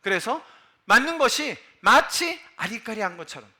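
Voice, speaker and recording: A man preaching a sermon in a church, animated, jumping between loud declarations and hushed asides, often quizzing his congregation. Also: very high-pitched, normal speed. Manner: addresses the congregation directly and quizzes them. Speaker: pastor. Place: church sanctuary.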